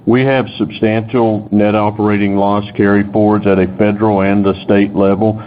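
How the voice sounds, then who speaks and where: A man speaking as a company executive, answering questions off the cuff in measured business language on a conference call. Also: on the low side, level tone. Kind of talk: unscripted earnings call answers. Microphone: telephone conference line. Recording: noisy phone-like conference call line.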